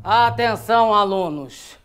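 A man playing a school announcer who speaks to the students over the school intercom loudspeaker, slow and formal. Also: high-pitched, slight background noise. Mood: announcing.

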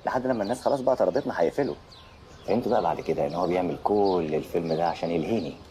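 An actor playing a cocky, wisecracking tough charmer in a comic film, teasing with an Egyptian accent. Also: male voice, low voice, rapid-fire, dark tone, slight background noise, natural voice. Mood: reflective, joking. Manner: teasing, sardonic. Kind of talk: comic screen acting.

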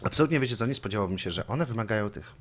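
A man's voice: lowish voice, expressive, rapid-fire. A man hosting a let's play, commenting casually on his gameplay and swearing offhandedly. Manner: chatty, swears casually, reads game story aloud.

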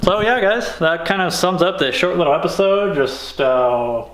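A man casually showing off tools he bought, talking in a relaxed, rambling way with lots of fillers. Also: high-pitched, normal speed, low-quality recording. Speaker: vlogger showing a tool haul. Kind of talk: casual show-and-tell chat.

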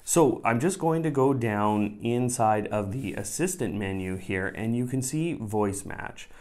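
A man's voice: medium pitch, animated, measured pace, a little mellow. A man, hosting a conversational step-by-step tech tutorial and rephrasing his instructions as he goes. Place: small indoor room at a desk.

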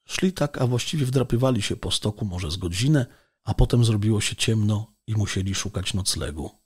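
Mężczyzna czytający powieść jako lektor audiobooka, miarowo i spokojnie. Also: male voice, on the low side, animated, fairly quick, darkish tone, husky. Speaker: audiobook narrator. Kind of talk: scripted narration of a novel.

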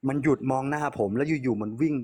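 A man recounts a frightening night in a relaxed, conversational way. He keeps turning to address the host as he tells it, the way a caller talks on a storytelling show. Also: mid-range voice, quick pace. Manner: addresses the host often, plain conversational telling. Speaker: caller telling a ghost story. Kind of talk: casual spoken storytelling to a radio-style host.

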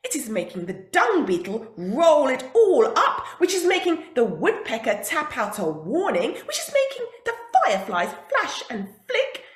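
Woman voicing a grumpy sleepless storybook tiger, bright and lively, echoey room. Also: high voice, moderate pace, hardly any pauses. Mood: exasperated. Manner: exasperated, emphatic pleading. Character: sleepy grumbling male tiger. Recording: roomy echo.

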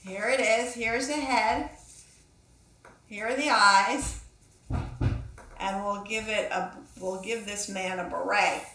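A woman's voice: medium pitch, fairly even intonation, slow pace, long pauses, sharp tone, slight background noise. A middle-aged woman talking casually to children, encouraging them and musing aloud as she teaches and asks questions. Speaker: children's author and illustrator giving a drawing lesson. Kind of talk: casual instructional talk to children. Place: small indoor room with echo. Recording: echoey room sound.

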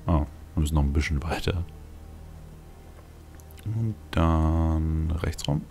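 Dude doing a casual lets play, super deep gravelly voice, mumbling thoughts to himself, faint music behind. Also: male voice, takes it slowly. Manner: musing aloud to himself. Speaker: let's play host. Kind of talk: casual gameplay commentary.

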